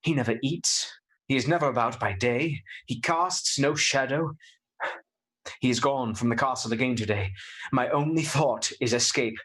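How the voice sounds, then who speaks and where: A man acting an anxious, earnest young gentleman. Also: mid-range voice, normal speed, close to an everyday voice, low-quality recording. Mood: dread. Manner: earnest, polite, uneasy. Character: anxious young English gentleman trapped in a castle. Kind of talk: radio play acting, dramatic diary narration.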